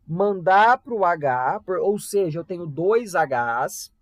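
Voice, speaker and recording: A man's voice: high voice, expressive, slow pace, no room sound. Young brazilian guy teaching online, chatty and playful, dry close mic sound. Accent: Brazilian Portuguese. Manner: chatty, frequent tag questions, playful asides. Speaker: volunteer chemistry tutor. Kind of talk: casual online class.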